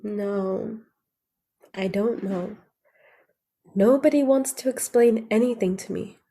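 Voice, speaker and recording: A woman playing a wistful, gently probing adult granddaughter in a naturalistic audio drama. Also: mid-range voice, slow pace, breathy edge.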